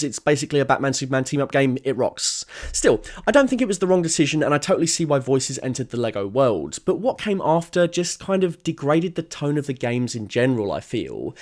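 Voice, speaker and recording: A man narrating a scripted video essay in an opinionated, informal and emphatic way. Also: fairly high pitch.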